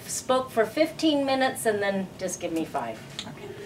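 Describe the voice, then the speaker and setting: Over light background noise, a woman speaks at a moderate pace in a fairly high voice. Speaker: coach and trainer. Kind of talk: spontaneous talk to a live audience. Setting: stage with audience, filmed. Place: home room. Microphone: camera far.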